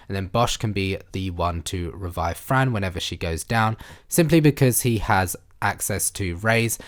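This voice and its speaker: A man with a blocked nose from a cold, chatting casually as he narrates his gameplay as a game commentary voice-over. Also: medium pitch. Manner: chatty, animated, self-narrating. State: congested, blocked nose from illness. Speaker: gaming YouTuber.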